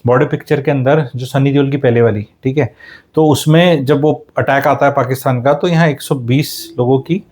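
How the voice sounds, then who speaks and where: A man's voice: mid-range voice, fairly even intonation, normal speed, darkish tone. A man giving a casual real estate talk, mixing Hindi and English and acting out quotes as he tells stories.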